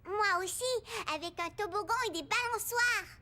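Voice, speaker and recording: A woman's voice: very high-pitched, normal speed, sharp tone. A woman voicing a curious, cheerful four-year-old boy in a cartoon, asking eager childlike questions. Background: music.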